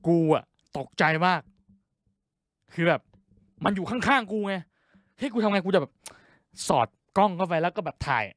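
Male stand-up comic, crude and profane, very animated delivery. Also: sits high, moderate pace, long pauses, no room sound, clean studio sound. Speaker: stand-up comedian. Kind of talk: stand-up storytelling.

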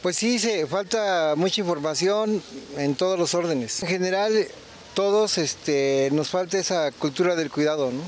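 A man's voice: high-pitched, a little slow. A man in his sixties with a Mexican Spanish accent, answering a street interview outdoors into a handheld mic, thoughtful and hesitant with many fillers. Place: outdoor town square. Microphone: handheld reporter mic.

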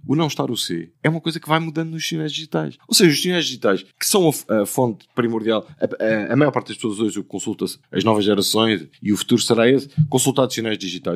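Guest voice: erudite male writer with European Portuguese accent, wordy, frequent restarts, casual podcast talk. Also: medium pitch. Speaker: writer and language reviser, guest.

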